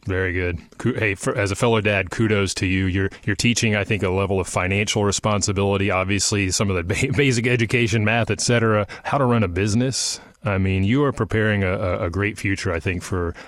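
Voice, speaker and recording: A man's voice: fairly low pitch, steady tone, a little fast, few pauses, no echo, studio quality. A man in his thirties filling in as radio show host, friendly and a little rambling in his questions. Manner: friendly, rambling, with frequent restarts. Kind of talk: radio interview hosting.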